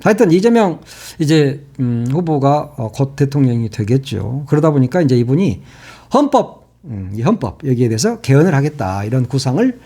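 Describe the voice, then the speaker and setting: A man's voice: mid-range voice, big pitch swings, moderate pace, warm tone. An older man, a former broadcast reporter, giving angry political commentary on his channel, cursing and firing rhetorical questions.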